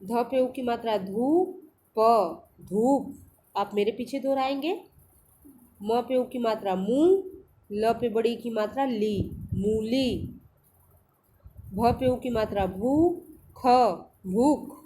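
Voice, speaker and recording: A woman's voice: a little high, slow pace, pauses often, mellow, a little hiss or hum. A woman teacher leads a reading lesson for young children. She sounds out each syllable and then says the whole word.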